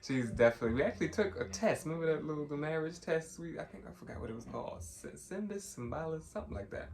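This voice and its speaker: A man's voice: fairly high pitch, expressive, quick pace, darkish tone. A young man co-hosting a podcast with his wife, chatting casually, laughing often and trailing off mid-sentence. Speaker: podcast co-host. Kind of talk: casual chat.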